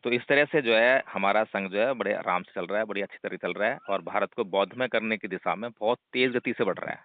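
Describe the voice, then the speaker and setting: Brief: deep-ish male group leader, explanatory, heard over a crackly, cutting-out phone line, dry. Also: fast, dry recording. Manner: explanatory, leans on tag questions. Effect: choppy phone line that breaks up. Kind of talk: phone discussion.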